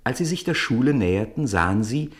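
A man's voice: mid-range voice, animated, a little fast. A man narrating a radio play as a storyteller, reading scripted prose.

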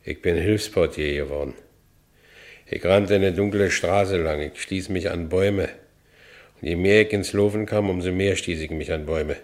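Man acting a deep voiced berlin working guy, haunted and bitter, telling his story in a radio play. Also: moderate pace, natural voice. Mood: haunted, brooding. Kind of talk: radio drama first-person narration.

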